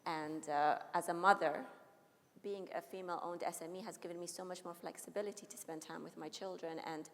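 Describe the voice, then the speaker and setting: A woman's voice: on the low side, fairly even intonation, fairly quick. A woman from Oman, an entrepreneur, speaking frankly and a bit contrarian on a panel into a handheld mic in a conference hall. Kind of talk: panel discussion.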